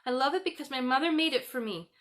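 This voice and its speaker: A woman voicing an anxious, tearful young girl in a storybook, pleading and indignant, growing shrill when upset. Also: animated, fast talker, a bit bright. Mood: distressed, pleading. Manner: breathy gasps, shrill screeching when upset.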